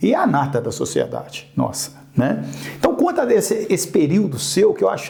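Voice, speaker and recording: Audible echo from the room hangs around the voice. The delivery keeps a moderate pace. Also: man. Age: 60s. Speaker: interview host. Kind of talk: interview conversation. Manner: rambling with frequent tag questions.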